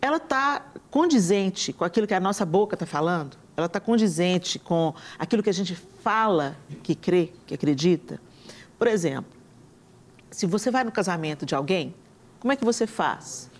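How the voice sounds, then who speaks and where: Her voice is lowish and her pace moderate. She is a Brazilian woman on a talk show, speaking with a Brazilian Portuguese accent in a conversational preaching style, telling animated stories and earnestly citing scripture.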